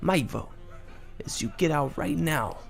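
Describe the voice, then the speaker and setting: A man's voice: a little high, expressive, measured pace, vocal fry, faint music behind. An actor playing a smug, gloating police officer in an audio drama, drawling his taunts. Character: smug, slow-talking male officer Klein.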